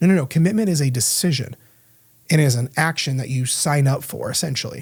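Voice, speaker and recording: A man with a fairly high pitch and a somewhat breathy voice speaks in an animated tone. He goes at a fairly quick pace with ordinary pitch variation. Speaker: weight loss coach, podcast host. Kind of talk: solo podcast monologue. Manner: mumbling and stuttering; animated, casual.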